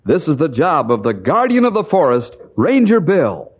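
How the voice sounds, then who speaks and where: A male announcer opens an old radio adventure in a rousing, folksy way, talking straight to kids. His pitch rises and falls with animation, and the recording is dull and lo-fi. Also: huge pitch swings, normal speed, breathy edge. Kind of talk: 1950s radio show introduction.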